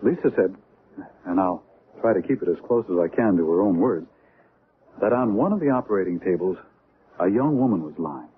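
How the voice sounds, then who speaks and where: An actor playing a composed, probing doctor in an old-time radio drama, measured and matter-of-fact. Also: male voice, sits low, lively intonation. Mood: rueful, measured. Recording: tinny, noisy old radio recording.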